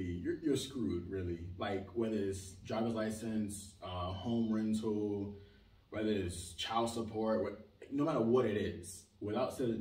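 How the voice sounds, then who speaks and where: Low-voiced young man in an echoey room. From Israel. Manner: animated, emphatic, leans on filler "like". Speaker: interview guest. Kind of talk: casual conversational interview. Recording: roomy sound, mic at a distance.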